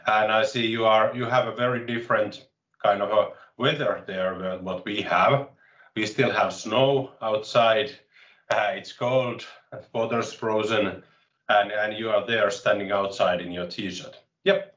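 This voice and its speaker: A man in his late forties from Finland with a Finnish accent, chatting as an interview guest in a halting way, often restarting phrases, with wry self-mockery, heard over a video call. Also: lowish voice, fairly even intonation, fairly bright tone, roomy sound, recorded from a distance, dull audio. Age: late 40s. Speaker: interview guest, tech consultant. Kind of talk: casual interview chat.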